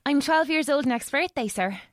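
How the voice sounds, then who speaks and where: A woman acts a twelve-year-old orphan boy in an audio drama. The voice is high and very lively in pitch, well-mannered, earnest and full of curiosity. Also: moderate pace, no echo, clean studio sound. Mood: polite.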